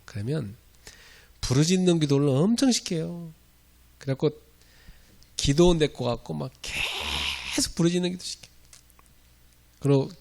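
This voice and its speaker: A middle-aged man preaches a sermon in a chatty, animated way. His voice sits in an ordinary mid register, swings widely in pitch, and now and then bursts into full-throated shouts before dropping to a quiet aside. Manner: lively, conversational preaching that laughs and shouts out prayers. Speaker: pastor.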